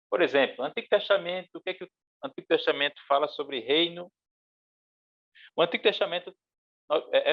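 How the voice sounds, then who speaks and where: A man with a Brazilian accent leads a Bible lesson discussion. He speaks at a middle pitch, thinks aloud and halts to find his words. The recording has a slightly dull, lo-fi sound. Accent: Brazilian Portuguese. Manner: thoughtful, with many pauses and fillers. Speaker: podcast host and Sunday school teacher. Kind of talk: church teaching podcast discussion.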